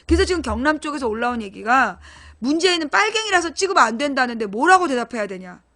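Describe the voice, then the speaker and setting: A woman with a high voice hosts a live-streamed political talk show. She speaks bluntly and casually, pressing her points and calling on her chat viewers to answer. Her delivery is emphatic and direct. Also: very animated, fast, a bit bright. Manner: talks directly to chat viewers, asks them questions; blunt and emphatic, informal speech.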